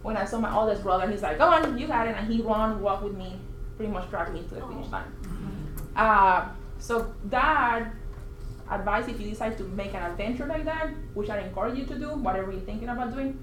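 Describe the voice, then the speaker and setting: A woman's voice: medium pitch, brisk. Woman from puerto rico chatting at a team meeting, echoey office room, far camera. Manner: chatty, animated retelling with quoted asides. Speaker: interviewed agent. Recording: echoey room, faint hiss.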